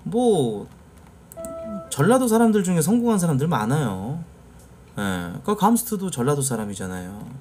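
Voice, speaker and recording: A man's voice: a little high, big pitch swings, normal speed, dark tone, breathy edge, faint music behind. A man from the Jeolla region, a live streamer chatting casually with viewers and telling stories, acting out the lines he quotes. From Jeolla, South Korea.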